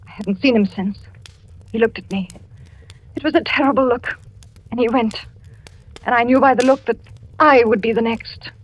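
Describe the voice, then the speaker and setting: An actress playing a French wife in wartime, secretive and deceptive, speaking in hushed, measured 1940s radio drama style. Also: female voice, a little high, muffled recording, lightly acted. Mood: grave.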